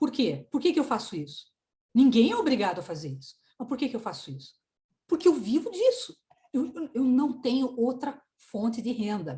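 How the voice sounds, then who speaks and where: A woman's high pitch with very wide pitch swings, big swings in loudness and a moderate pace. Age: 60s. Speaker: sworn translator. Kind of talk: interview.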